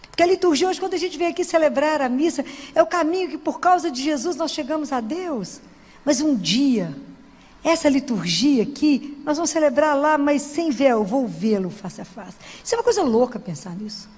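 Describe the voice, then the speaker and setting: A woman's voice: high voice, darkish tone. A woman with a Brazilian Portuguese accent giving a chatty sermon in church, full of tag questions and restarts. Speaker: Catholic lay preacher. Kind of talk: conversational sermon. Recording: long church reverb.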